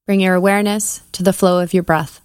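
A woman leading a guided breathing meditation as a podcast host and coach, giving measured, soothing instructions with pauses. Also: fairly low pitch, fairly even intonation, clear, resonant tone, dry recording, studio quality.

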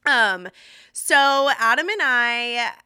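Woman in her thirties, podcast host, bright tense voice, slightly high, confiding chatty manner. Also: animated, clean tone. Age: 30s. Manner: chatty and confiding, many fillers and restarts, quick asides. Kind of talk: casual solo podcast chat.

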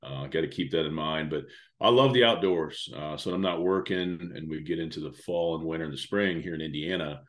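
A man in his forties with a very low, booming voice that he calls a radio voice. He talks easily and at length as an interview guest, stopping often for an "uh" or "um". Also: fairly quick. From United States. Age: 40s. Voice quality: loud, resonant radio-style voice. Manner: relaxed, steady storytelling with frequent "uh" and "um". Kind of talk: casual interview chat.

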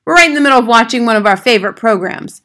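A man's voice: very high-pitched, expressive, racing, sharp tone, voice pushed up, full character voice. A woman voicing a rude, impatient, ignorant small man in an audiobook, with a brusque, dismissive delivery. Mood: gruff, dismissive. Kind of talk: acted audiobook dialogue.

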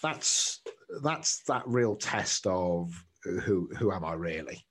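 A man of about fifty talking reflectively with a guest, thoughtful, sometimes laughing softly and trailing off. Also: low voice, sing-song, slow. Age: 50s. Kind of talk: reflective conversation.

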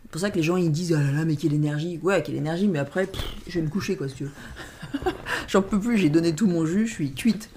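A French woman talking casually as an interview guest, lively and emphatic, animating her stories. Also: lowish voice, racing, a little hiss or hum. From France. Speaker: guest, stage performer.

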